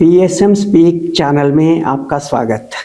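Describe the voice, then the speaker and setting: A man speaks with a Telangana accent. His pitch is fairly high. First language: Telugu (speaking Hindi). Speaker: pension explainer YouTuber. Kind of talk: informational talk. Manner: code-switching Hindi-English, hesitant.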